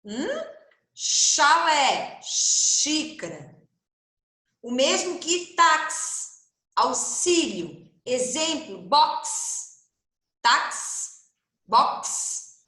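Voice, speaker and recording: A woman with a Brazilian accent teaching a recorded lesson to first graders, speaking slowly and stressing each syllable in a sing-song way. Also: sits high, very animated, sharp tone. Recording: roomy echo.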